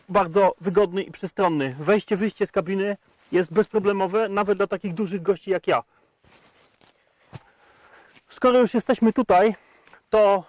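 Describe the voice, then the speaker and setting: A man's voice: high-pitched, no room sound. A man in his thirties presenting a tractor test outdoors in a field, talking with frequent hesitation sounds between facts. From Poland. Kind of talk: product review walkaround.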